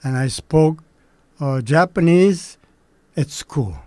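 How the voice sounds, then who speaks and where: A man in his eighties, native Korean speaker, recalling his childhood in a halting way with many pauses. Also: fairly high pitch, lively intonation, darkish tone, dry recording. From Manchuria. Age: 80s. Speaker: guest. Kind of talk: recalling memories in an interview.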